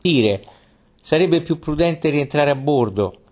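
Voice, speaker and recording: A man's voice: fairly high pitch, animated, takes it slowly, a little mellow. A man reading an audiobook voices a cautious, loyal general in a subdued, careful way. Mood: wary.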